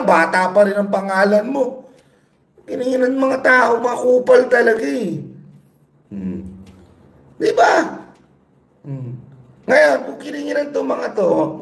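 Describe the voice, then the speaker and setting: A man's voice: extremely high pitch, vocal fry, reverberant. A man giving a profane, angry political rant with mocking rhetorical questions, recorded on a cellphone. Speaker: political vlogger. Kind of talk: profane ranting commentary.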